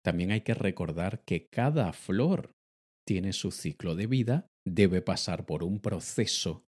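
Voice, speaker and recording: Emphatic low-voiced man giving a pep talk. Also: slow pace. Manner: emphatic and animated, with sudden loud outbursts and quiet asides. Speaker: motivational speaker. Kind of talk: personal motivational monologue.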